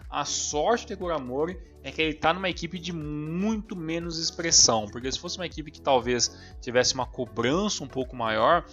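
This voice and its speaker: A man's voice: a little high, moderate pace, few pauses, fairly bright tone. Male podcast co-host, casual football talk, rambling and filler-heavy, dull lo-fi sound with faint music. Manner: rambling, many fillers and restarts.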